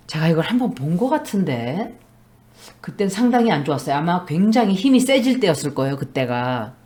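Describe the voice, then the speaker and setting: A woman's voice: on the low side, sing-song, brisk, dark tone, a little hiss or hum. A woman giving a tarot reading in a monologue, making blunt, emphatic predictions. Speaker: tarot reader.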